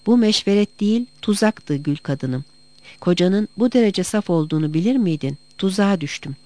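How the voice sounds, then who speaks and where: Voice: mid-range voice, animated, normal speed, dark tone, no echo, close to an everyday voice. A reader voicing a proud, angry young tribal chief. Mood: bitter. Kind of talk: audiobook reading.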